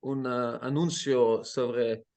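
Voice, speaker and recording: Slow, hesitant man. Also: mid-range voice, steady tone, a little mellow. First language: Dutch. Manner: hesitant, searching for words, many fillers and restarts. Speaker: guest, language teacher. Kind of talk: casual interview conversation. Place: home in Amsterdam.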